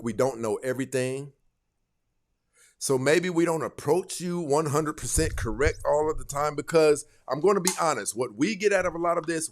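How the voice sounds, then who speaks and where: Animated man lecturing his viewers. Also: medium pitch. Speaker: host of a dating advice stream. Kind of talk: casual live commentary.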